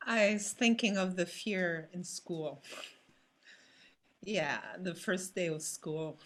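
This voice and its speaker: A woman performer chatting casually as a guest on a video call, haltingly searching for her words. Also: on the low side, a bit bright. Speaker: theatre performer, panel guest. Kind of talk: casual reminiscing chat.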